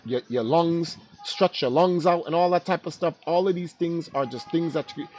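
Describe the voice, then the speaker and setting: A man's voice: on the high side, slight background noise. Laid-back slangy man hosting a stream. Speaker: stream host. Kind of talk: casual livestream chat.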